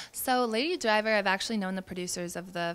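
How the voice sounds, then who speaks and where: Here a woman is talking. Her pace is very fast. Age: 20s. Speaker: singer; interviewee. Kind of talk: casual chat. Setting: backstage before a concert. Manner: animated. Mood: warm, enthusiastic. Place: home room. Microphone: handheld.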